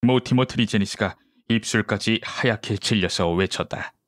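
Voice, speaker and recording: A man with a fairly low voice narrates a mystery audiobook. His reading is measured and literary, recorded at home with a very dry, close sound. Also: dry recording. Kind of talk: scripted mystery story narration.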